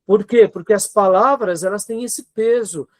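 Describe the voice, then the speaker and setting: Brazilian male seminary teacher, high-pitched, exhorting and earnest, lecture delivery. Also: moderate pace. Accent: Brazilian Portuguese. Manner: earnest, exhorting, asks rhetorical questions, frequent tag questions.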